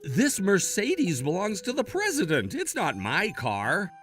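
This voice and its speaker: A man playing a meek young office guy, slow careful speech, lively pitch, cartoon story. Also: soft background music, full character voice. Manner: apologetic, polite. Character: meek polite young male office worker.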